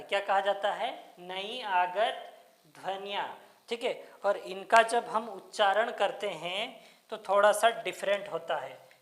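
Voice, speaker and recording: A woman's voice: medium pitch, a bit bright, echoey room. A woman teacher giving a grammar lecture, asking questions and answering them herself and repeating the key terms. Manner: patient, deliberate explaining. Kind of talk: classroom Hindi grammar lecture.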